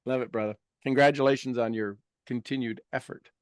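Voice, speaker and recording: A man's voice: medium pitch, dry recording, studio quality. A man in his fifties hosting a motivational group talk, emphatic and repeating his key phrases. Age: 50s. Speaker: host and coach.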